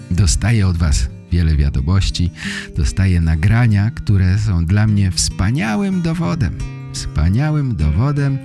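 A low male voice speaks slowly and in measured phrases over clearly audible guitar music. He sounds like a podcast teacher addressing language learners, leaving short pauses between phrases.

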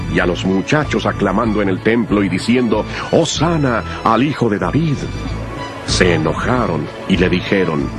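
A man narrates a scripture drama in a low voice with lively, expressive intonation. Music plays clearly beneath his measured reading.

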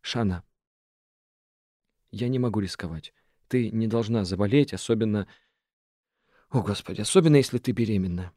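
A grief-stricken young man from a storybook, played by a male reader, stammering and subdued. He keeps his voice low and broken as he talks. The recording is dry and close. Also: moderate pace, pauses often, mellow, dry recording, lightly acted. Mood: anguished. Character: grieving sick young man, anguished and halting.

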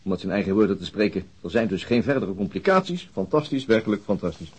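A middle-aged police inspector in a naturalistic radio play. His voice is low and husky. He grumbles bluntly, with a gloomy, bitter cynicism. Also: sing-song, fast, a little mellow, heavily acted. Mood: weary, subdued. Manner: grumbling, sardonic, blunt and coarse. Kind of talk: naturalistic radio drama acting.

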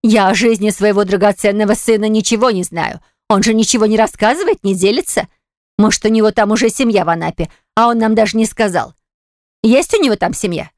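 A woman voicing an older mother and grandmother who nags and flares up quickly. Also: medium pitch, no room sound, studio quality, natural voice. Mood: indignant. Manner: emotional, scolding, nagging.

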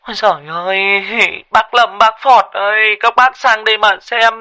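A piercing, sharp-edged voice of a frantic wife, crying out in long laments. The tone is gravelly and harsh, pitched very high. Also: male voice, fairly even intonation, fairly quick, heavily acted. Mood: wailing. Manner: wailing, lamenting cries. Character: wailing middle-aged wife, beaten, panicked.

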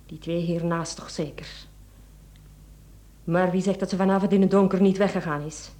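Actress doing a bossy flemish wife in a radio drama, cold, clipped, totally in control. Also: female voice, lowish voice, steady tone, moderate pace, mellow, lightly acted. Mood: cold, scheming. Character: cold, calculating, domineering wife taking charge of a crime. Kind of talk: Dutch-language radio play acting.

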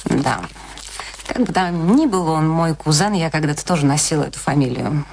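An actress playing a haughty, sharp-tongued middle-aged wife in a radio play, proud and dismissive. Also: female voice, low voice, moderate pace, creaky, slight background noise. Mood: brooding.

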